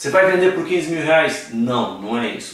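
A man at a moderate pace with fairly even intonation and audible room echo. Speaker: airgun seller. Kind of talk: product presentation. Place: home room.

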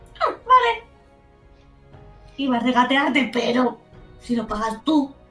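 A woman shouts in a put-on character voice pitched high, going at a fairly slow pace. Music plays behind her, and there is audible echo. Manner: excitable, shouting, dim-witted.

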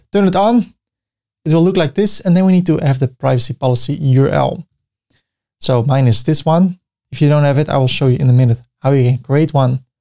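A man with a Dutch accent speaks at a fairly quick pace with long, frequent pauses, his fairly high voice somewhat breathy with a dark, mellow tone. Pitch variation is ordinary, loudness very even, and the sound dry and close with no echo. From Netherlands. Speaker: YouTube tutorial creator. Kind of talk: tutorial.

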